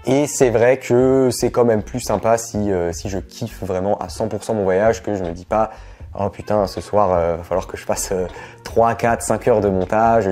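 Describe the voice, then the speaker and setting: A man's voice: lowish voice, dark tone. Stuffy-nosed man vlogging with a cold. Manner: rambling, many fillers. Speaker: travel vlogger. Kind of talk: casual talk to camera.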